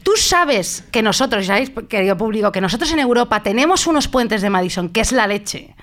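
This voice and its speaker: A woman's voice: on the high side, animated, fairly quick, a bit bright. Chatty, swearing Spanish woman host. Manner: chatty and theatrical, swears freely, laughs often. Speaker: radio host. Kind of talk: casual chat on a talk show.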